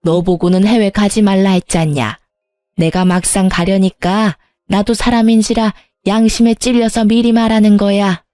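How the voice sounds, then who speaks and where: A woman's voice: medium pitch, steady tone, normal speed, dark tone, no echo, soft background music, close to an everyday voice. A woman voicing a bossy, demanding older mother-in-law who scolds and pushes in a storytelling video. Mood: pushy. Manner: pushy, scolding.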